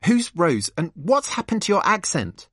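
A man's voice: high voice, very animated, normal speed, fairly bright tone, breathy edge, no room sound, studio quality, voice pushed up, heavily acted. A man voicing a prickly young schoolgirl from a storybook, snippy and indignant.

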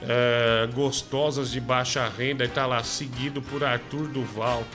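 A man's voice: medium pitch, flat delivery, measured pace, over music. A man hosting a comedy show, chatting in a profane, teasing way. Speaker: show host. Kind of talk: crude comedy live show chat.

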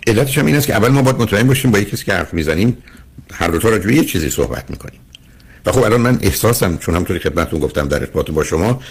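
On a counseling radio program, an older host with a husky voice lectures a caller earnestly as he offers advice. His pitch is fairly low.

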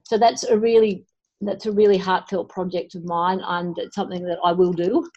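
A woman's voice: lowish voice, flat delivery, normal speed, a little mellow, muffled recording. A woman answering interview questions at a conference, earnest and determined, with many restarts. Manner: earnest, frequent restarts and fillers. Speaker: guest.

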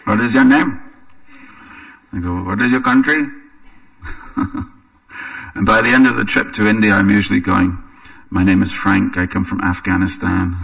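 An English man giving a scripture class in a temple, relaxed and anecdotal, with frequent hesitant fillers. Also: low-pitched, gravelly, slightly rough, distant mic. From England. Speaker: religious teacher. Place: temple hall.

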